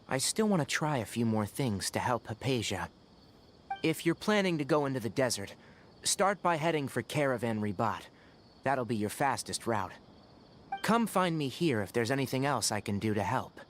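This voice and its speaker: A man voicing a composed, articulate young scholar in a video game, with a measured, thoughtful manner. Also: medium pitch, sing-song, slight background noise, lightly acted. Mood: calm, helpful. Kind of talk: video game character acting.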